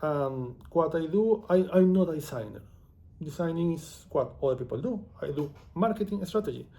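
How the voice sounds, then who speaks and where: Man, Venezuelan Spanish accent, native Spanish speaker, casual vlog chat, gravelly, mellow. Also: fairly high pitch, expressive, normal speed. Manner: chatty, digressive, self-deprecating. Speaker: author and vlogger.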